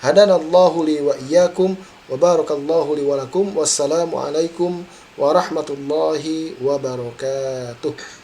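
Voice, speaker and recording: A man's voice: on the high side, steady tone, a little slow, dark tone, slight background noise. A man teaching a tajwid lesson, modelling letter sounds and tagging his points with a checking "ya". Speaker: Quran recitation teacher.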